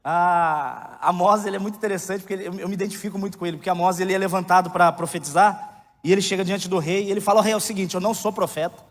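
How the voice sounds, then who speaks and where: Brief: male preacher, thirties, high-pitched voice, joking candid delivery, church hall with long reverb. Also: steady tone, racing. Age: 30s. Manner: candid, joking, rising to loud emphatic outbursts. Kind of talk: sermon.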